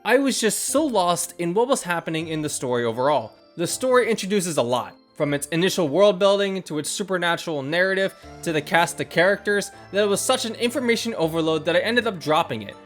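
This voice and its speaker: Man, high voice, scripted video essay narration, measured and reflective delivery, music behind. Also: lively intonation. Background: background music.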